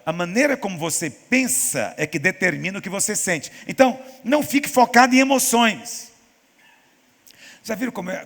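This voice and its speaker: A man preaching as a pastor in a church teaching session, telling stories and acting out quoted voices with lively emphasis. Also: a little high, creaky, long reverb tail. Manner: animated storytelling, acts out quoted voices.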